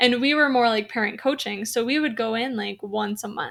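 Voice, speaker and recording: With an ordinary speaking voice, a woman talks at a fairly high pitch with fairly even intonation. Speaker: speech therapist podcast host. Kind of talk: podcast interview host. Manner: casual, chatty.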